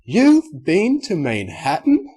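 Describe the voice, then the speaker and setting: A man's voice: on the high side, big pitch swings, a little slow, warm tone, breathy edge, pitched above the performer's own voice, full character voice. A man voicing a posh, theatrical unicorn mare dressmaker from a storybook, with a refined, gushing delivery. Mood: exasperated.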